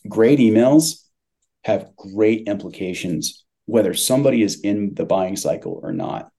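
A man's voice: fairly low pitch, very animated, a little slow, vocal fry, mellow. A man talking business as a guest in a conversational interview, stressing points by repeating phrases. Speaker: podcast guest, tech company CEO.

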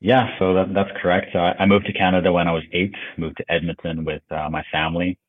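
A man from Slovakia, a business owner, talking as a podcast guest in a relaxed, loose way with plenty of fillers, heard over a remote call. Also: deep voice, fast. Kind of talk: casual interview chat. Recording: tinny phone-like call audio.

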